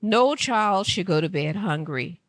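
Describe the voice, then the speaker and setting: A woman from Liberia giving an earnest, emphatic speech at an event, speaking slowly. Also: mid-range voice, lively intonation. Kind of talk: formal public speech. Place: conference room.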